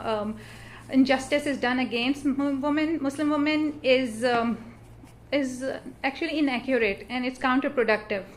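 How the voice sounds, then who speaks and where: A woman's voice: sits high, a little hiss or hum. A middle-aged woman from Pakistan, a native Urdu speaker with a Pakistani accent, speaking earnestly on a symposium panel with many fillers and restarts. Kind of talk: panel talk at an interfaith symposium. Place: church hall.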